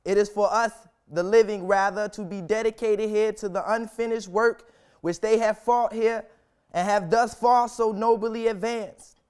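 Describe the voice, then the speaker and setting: A young man reciting a historic speech as solemn, dramatic oratory, with deliberate, emphatic phrasing and long pauses. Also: sits high, fairly even intonation, a little mellow, clean tone. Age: young adult.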